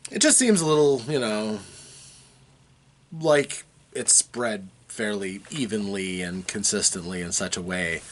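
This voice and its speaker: A man talking casually to his viewers from his basement, rambling with frequent fillers and restarts, his voice still a bit rough from a recent cold. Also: lowish voice, a bit bright, a little hiss or hum. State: recovering from a cold, slightly rough voice. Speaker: vlogger. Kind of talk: casual chat to camera. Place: home basement.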